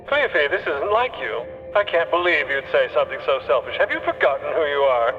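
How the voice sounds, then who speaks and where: A man's voice: fairly high pitch, lively intonation, fairly quick. A man playing a wounded, blustering father in an audio drama, guilt-tripping through a long-distance telephone filter. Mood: aggrieved, accusing. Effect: telephone filter over a long-distance line. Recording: muffled phone line with music behind.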